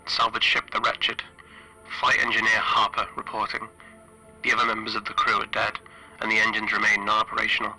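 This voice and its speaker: A man playing a stranded, grieving spaceship engineer recording a radio-like log for a horror tabletop game, halting and deliberate with long pauses. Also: lowish voice, completely flat delivery, music in the background, poor audio. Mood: formal, grim. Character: stranded male spaceship flight engineer, weary, grieving lone survivor.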